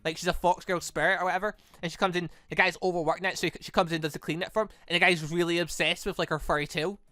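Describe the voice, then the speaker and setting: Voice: medium pitch, steady tone, fast, sharp tone, dry recording. A chatty gaming host reading a visual novel aloud and commenting on it, stumbling over lines now and then.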